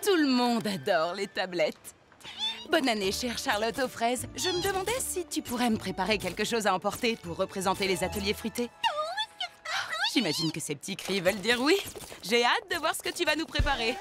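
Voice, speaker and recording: A woman's voice: on the high side, sing-song, normal speed, over loud music. A woman voicing an effusive, glamorous talk-show hostess in a French cartoon dub, showy and gushing. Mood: bubbly. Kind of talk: French animated series dub acting.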